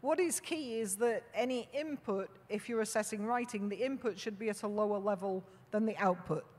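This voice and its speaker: A woman on a conference panel answering an audience question in a clear, explanatory way. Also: mid-range voice, moderate pace, a little mellow. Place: large conference hall. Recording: reverberant conference hall.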